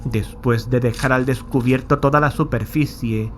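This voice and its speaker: An actor playing a haunted, nervous man who recounts a graveyard horror in a solemn, measured, literary way. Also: mid-range voice, steady tone, natural voice. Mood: grave, uneasy. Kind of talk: scripted horror audiobook narration. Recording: clear background noise and ambience.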